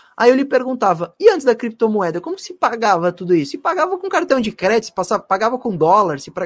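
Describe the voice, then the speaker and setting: The recording is dry and close-miked, without any echo. The speaker is male. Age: 30s. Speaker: digital law professor. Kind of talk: casual interview chat.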